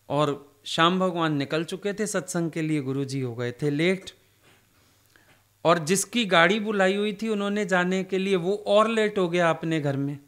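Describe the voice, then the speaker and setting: A man's voice: high-pitched, a bit bright. A man giving a devotional satsang talk, telling personal stories in a conversational way. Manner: conversational storytelling, acting out quoted dialogue. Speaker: satsang speaker.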